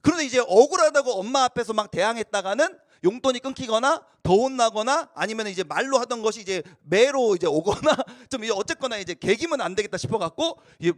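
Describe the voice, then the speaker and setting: Lively high-voiced youth pastor, a man. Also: brisk, few pauses, no room sound, clean studio sound. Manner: animated storytelling, acts out quoted lines. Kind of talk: casual youth sermon.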